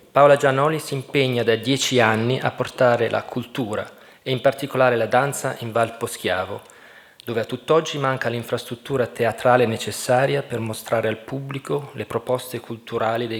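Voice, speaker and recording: A man delivers a formal laudation, reading in a declamatory way. His voice sits at a middle pitch. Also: moderate pace. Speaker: award presenter.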